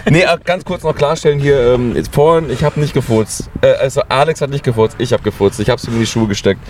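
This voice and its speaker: A man's voice: mid-range voice, fast talker, a little mellow, slight background noise. A man from the Black Forest in rowdy podcast banter, making crude jokes and laughing a lot, recorded outdoors behind a van. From Black Forest, Germany. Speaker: band member guest.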